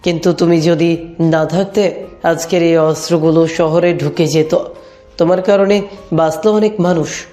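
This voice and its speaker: A man's voice: a little high, fairly even intonation, measured pace, warm tone, lightly acted. A man playing an approving, protective senior police officer in a dramatized love story, speaking with authority. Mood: approving, serious. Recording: music under the voice.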